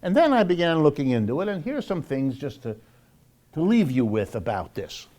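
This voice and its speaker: A man lecturing to the public on economics, speaking emphatically and deliberately and repeating phrases for stress. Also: fairly high pitch, sing-song, a little mellow.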